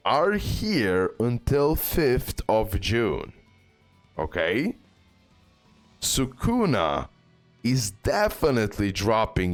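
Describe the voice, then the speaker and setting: A man giving casual gaming advice in an emphatic, repetitive way, often checking in with a short questioning tag. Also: lowish voice. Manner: emphatic, repetitive, ends points with "okay?". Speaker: game video creator. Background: music.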